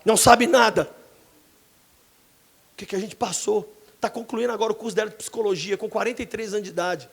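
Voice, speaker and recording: High-voiced Brazilian pastor shouting a sermon. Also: male voice, steady tone, brisk, creaky, long pauses. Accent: Brazilian Portuguese. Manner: dramatic storytelling, bursts into shouts. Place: church.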